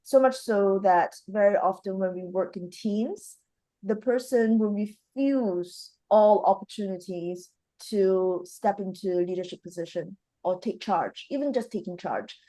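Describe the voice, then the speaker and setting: A woman speaking in a relaxed, mellow tone during an easygoing podcast conversation. She talks animatedly, with quick bursts of excitement and frequent laughter. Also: mid-range voice, rough recording. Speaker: podcast co-host, healer. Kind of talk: casual conversation.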